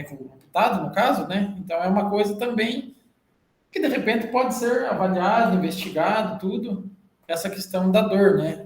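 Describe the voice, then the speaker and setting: A man with a fairly high voice and a Brazilian Portuguese accent leads an academic presentation. He explains in long stretches and keeps checking in with tag questions. The room around him sounds echoey. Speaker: journal club presenter. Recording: roomy echo.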